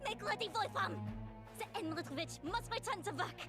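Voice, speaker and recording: Young anime witch girl, extremely high voice, imperious, solemn, loud music behind. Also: brisk. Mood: solemn resolve. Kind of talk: anime dub acting.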